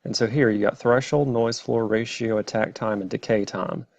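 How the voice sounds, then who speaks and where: A man narrating a step-by-step software tutorial in a plain, methodical way. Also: lowish voice, steady tone, normal speed, vocal fry, no room sound, muffled recording. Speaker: tutorial presenter.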